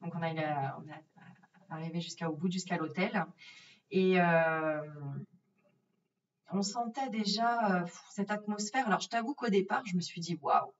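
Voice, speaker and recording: A woman's voice: lowish voice, fairly even intonation, a little slow, pauses often. A woman from France telling a travel story in a casual, chatty way, with many fillers and acted-out asides. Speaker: vlogger. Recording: distant, dull lo-fi sound.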